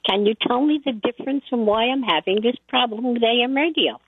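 A woman's voice: a little high, expressive, a little fast, husky, dry recording. A very old woman caller chatting politely on a radio phone-in, asking simple questions. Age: elderly, very old. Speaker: call-in listener. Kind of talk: casual radio phone-in chat. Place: phone call to radio show. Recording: tinny radio phone-line call.

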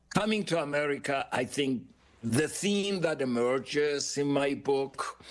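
An older man with a Greek Cypriot accent speaks in a measured, reflective way. He tells his story as an interview guest, pausing often to gather his thoughts, his pitch sitting at an ordinary middle height. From Cyprus. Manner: measured, reflective, frequent "uh" pauses. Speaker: guest, author. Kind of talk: interview answers, life story.

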